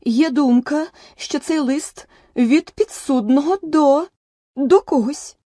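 A woman voicing a fussy, anxious male white rabbit herald in an audiobook, eager and hurried. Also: high-pitched, mellow, dry recording, clean studio sound, voice pushed up. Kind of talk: audiobook character voice.

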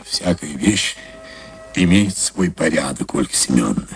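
An actor playing a staid, bearded middle-aged timber merchant who talks in a sedate, sententious way in an old radio play. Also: male voice, extremely low pitch, lively intonation, a little slow, slightly rough, exaggerated voice. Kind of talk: 1950s radio play acting.

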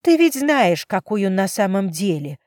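Woman doing a tearful young girl pleading, voice pushed up high, dry sound. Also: sing-song, moderate pace, a little mellow, dry recording. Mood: desperate. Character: desperate young woman, a daughter facing a forced marriage.

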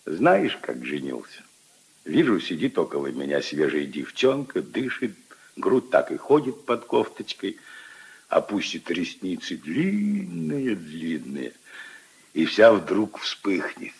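An actor playing an old retired general, a gruff but kindly grandfather figure who reminisces and grumbles wryly, in a 1950s radio play. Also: deep voice, very animated, slow pace, heavily acted. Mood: mocking reminiscing. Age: older. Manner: wry, reminiscing, grumbling storyteller.

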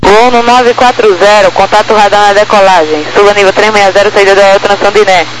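A man's voice: high-pitched, steady tone, brisk, noisy background. A man working as an approach radar controller, giving terse procedural instructions over aviation radio. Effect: aviation radio transmission. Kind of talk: air traffic radio phraseology.

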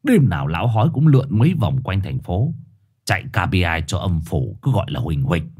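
A man voicing a bossy, gruff black four-eyed street dog with a hoarse, raspy voice. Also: low voice, sing-song, fairly quick, warm tone, pitched below the performer's own voice, exaggerated voice. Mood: low, conspiratorial. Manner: growling, rough, condescending.

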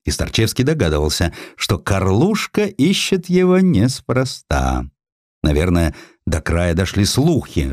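A man reading a historical essay as an audiobook, in an expressive, theatrical and ironic storytelling manner. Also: fairly low pitch, no room sound, clean studio sound. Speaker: audiobook narrator.

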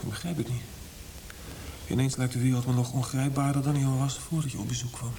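An actor playing an earnest, puzzled army officer recovering from illness in a radio drama, speaking plainly and hesitantly. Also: male voice, medium pitch, level tone, fast talker, warm tone, a little hiss or hum, close to an everyday voice. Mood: puzzled, troubled. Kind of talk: Dutch radio drama acting.

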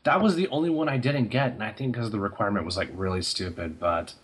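A man's voice: on the low side, fast, slightly rough. A young man co-hosting a gaming podcast, chatting in a wry, casual way. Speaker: podcast co-host.

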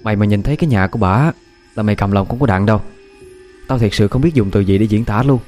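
A man acting out an earnest young woman in an audio ghost story, stubborn but soft-hearted. The pleading voice is lifted from a rather low base, with faint music underneath. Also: quick pace, close to an everyday voice. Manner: earnest, pleading, sometimes hushed.

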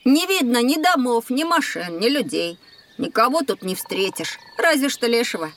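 Woman playing a cheeky high-voiced boy. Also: very animated, normal speed, a bit bright. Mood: carefree. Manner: boastful, playful. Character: cheeky carefree young boy.

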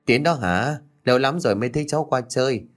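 A man voicing a gentle, frail elderly mother who wails in grief. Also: medium pitch, fast talker, voice pushed up, natural voice. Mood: warm.

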